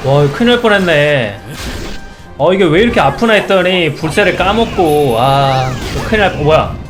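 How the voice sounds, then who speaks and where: A man's voice: a little high, expressive, moderate pace. A man giving casual mobile game commentary as a streamer, reacting aloud and asking himself questions as he plays. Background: game music.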